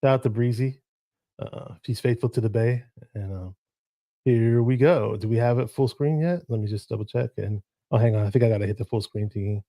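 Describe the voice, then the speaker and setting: A man's voice: medium pitch, brisk, dark tone, dry recording. A man hosting a casual sports podcast, talking in a rambling way with many restarts. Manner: rambling, full of restarts and fillers. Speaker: podcast host. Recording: dry close audio.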